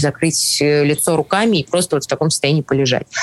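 A woman is heard in a dry, close sound with no echo, over noticeable background noise. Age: 20s. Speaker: interviewee with bipolar disorder. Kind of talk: personal testimony interview. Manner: halting, many fillers.

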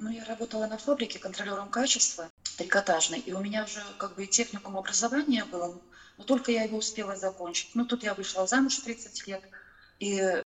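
A very fast-talking woman at a fairly high pitch, with noticeable background noise. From Belarus, Minsk. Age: 50s. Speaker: kindergarten teacher. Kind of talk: coaching session. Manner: hurried.

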